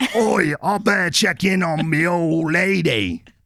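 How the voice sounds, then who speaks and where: Putting on a character voice in a Cockney accent, a man speaks at a fairly slow pace in a high, raspy voice. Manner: gruff, complaining.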